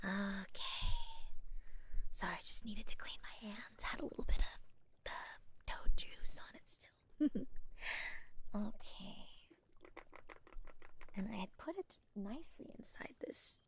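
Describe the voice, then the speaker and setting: Woman whispering as a gentle witch healer. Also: mid-range voice, animated, takes it slowly, long pauses, husky, exaggerated voice. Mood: soothing. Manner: soft, reassuring whisper with small giggles. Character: gentle, slightly scatterbrained female witch healer. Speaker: ASMR roleplay performer. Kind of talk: ASMR roleplay, soft-spoken whispering.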